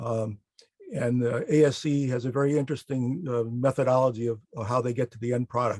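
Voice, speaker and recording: A man speaks at a fairly quick pace, his pitch medium. The sound is dry and close with no echo, and his intonation stays fairly even. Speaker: architect and webinar presenter. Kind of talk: webinar presentation. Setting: online webinar. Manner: fast; halting with many fillers.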